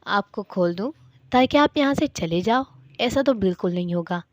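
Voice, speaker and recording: A woman voicing an obsessive, possessive young man who talks calmly and stubbornly in a read-aloud story. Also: mid-range voice, normal speed, no room sound, close to an everyday voice.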